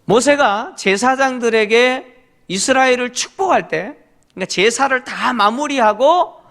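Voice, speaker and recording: A man's voice: extremely high pitch, fairly bright tone. A middle-aged man preaching a Korean sermon as pastor, emphatic, asking the congregation rhetorical questions and affirming with short interjections. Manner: leads congregation in reading scripture aloud.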